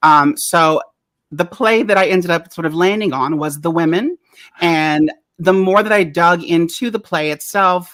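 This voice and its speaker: In a plain, everyday voice, the speaker talks at a moderate pace with ordinary pitch variation. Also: woman, fairly low pitch for a woman. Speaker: stage actor and producer. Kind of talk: casual interview chat.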